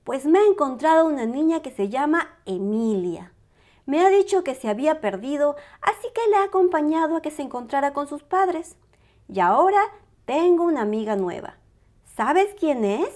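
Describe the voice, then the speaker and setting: A woman's voice: sits high, very animated, normal speed, darkish tone. A woman voicing an eager, polite little boy bear cub from a storybook, childlike and earnest. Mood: proud, excited.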